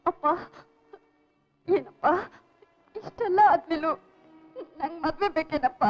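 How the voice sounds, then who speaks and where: A woman's voice: extremely high pitch, slow pace, muffled recording. An actress playing a young wronged daughter, desperate and pleading with her father in tears. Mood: tearful. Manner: tearful, pleading.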